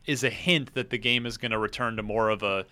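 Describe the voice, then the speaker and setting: A man with a bright, forceful voice at an average pitch hosts a relaxed podcast discussion. His manner is wry and jokey, dropping asides while he steers the talk. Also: brisk, clear, resonant tone. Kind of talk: casual chat with joking asides.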